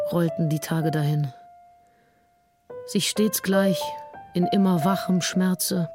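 A woman playing a grieving nineteenth-century diarist in a solemn dramatic reading, with drawn-out phrasing. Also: lowish voice, warm tone, no room sound, clean studio sound. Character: grieving 19th-century woman writing in her diary. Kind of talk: dramatic reading of a historical diary.

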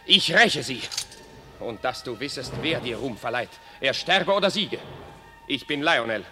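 An actor playing a defiant, proud English prince and warrior in a classic radio drama, declaiming with passion. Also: male voice, medium pitch, animated, unhurried, close to an everyday voice. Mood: furious, defiant. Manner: declamatory, impassioned. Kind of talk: classic German stage-style radio drama acting.

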